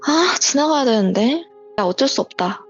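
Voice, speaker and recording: A woman's voice: high-pitched, expressive, normal speed. Woman on a muffled call telling a story. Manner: vivid, breathless retelling that acts out quoted lines. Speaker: viewer sharing a true story by voice call. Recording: muffled voice call with faint music.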